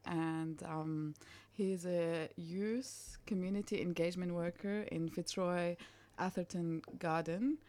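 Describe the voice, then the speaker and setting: A woman hosting a community radio show, chatting casually with a guest and filling pauses with um and yeah. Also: on the low side, steady tone. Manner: warm, chatty, many fillers like um and yeah.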